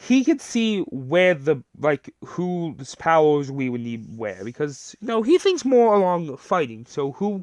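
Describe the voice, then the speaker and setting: A man speaks at a fairly high pitch and a fairly slow pace, with very wide pitch swings. The sound is dry and close with no echo, and the background is quiet. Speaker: YouTuber telling fan-fiction story. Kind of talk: casual storytelling monologue. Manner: animated.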